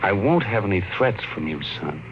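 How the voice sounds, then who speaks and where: A firm, uneasy father from an old 1950s radio drama. His low voice swings widely in pitch and gives clipped, authoritative lines. The old recording has some noise under it. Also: big pitch swings, moderate pace, poor audio. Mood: firm, wary. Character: stern, uneasy father of two spoiled children.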